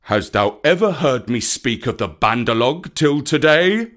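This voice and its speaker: A wise old bear from a storybook, as a male reader puts him on, lecturing with slow, weighty emphasis. His voice swoops up and down as he stresses each warning, measured and unhurried. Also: medium pitch, lively intonation, a bit bright. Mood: stern, solemn. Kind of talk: storybook reading.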